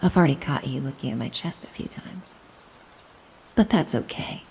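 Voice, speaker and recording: A woman playing a gentle, doting, mysterious caretaker in a soothing hypnosis roleplay, coaxing and reassuring the listener. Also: very deep voice, expressive, moderate pace, vocal fry, a little hiss or hum, heavily acted, poor audio. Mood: hypnotic, tender. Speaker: hypnosis audio performer.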